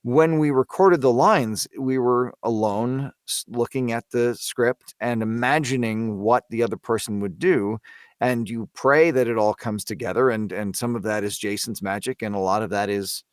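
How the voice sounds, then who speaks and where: A man talking casually and thoughtfully about voice acting, pausing to search for his words. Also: medium pitch, no room sound, studio quality. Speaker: voice actor on a horror audio drama. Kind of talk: casual behind-the-scenes discussion.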